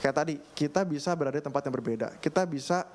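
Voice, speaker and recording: A young man, a pastor, preaching a casual, storytelling sermon with lots of filler phrases and throat clearing. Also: fairly high pitch, very fast. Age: young adult. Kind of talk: conversational sermon. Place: church. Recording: faint background noise.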